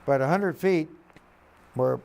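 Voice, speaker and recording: An older man recollects his flying as an astronaut for a documentary. The voice is a little high for a man and noticeably gravelly. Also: takes it slowly, darkish tone. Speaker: former astronaut.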